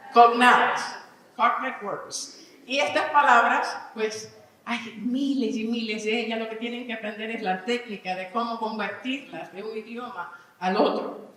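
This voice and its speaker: Her voice is slightly high, bright and forceful as she presents a live conference session teaching English vocabulary. She reads word lists aloud and quizzes the audience, heard from far away in a large, echoey hall.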